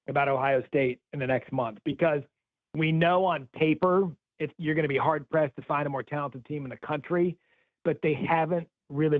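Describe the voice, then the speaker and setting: A man calling in as a guest football analyst, breaking down a team in a quick, emphatic way. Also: on the high side, no echo. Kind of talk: phoned-in sports talk. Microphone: phone call. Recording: tinny phone line.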